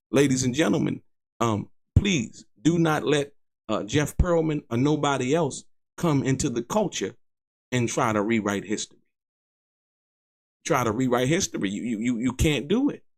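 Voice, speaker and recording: A man hosting an online show, giving emphatic, indignant commentary in a halting, repetitive way, often repeating words as he argues his point. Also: mid-range voice, animated. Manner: indignant, disputing. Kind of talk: opinionated commentary to viewers.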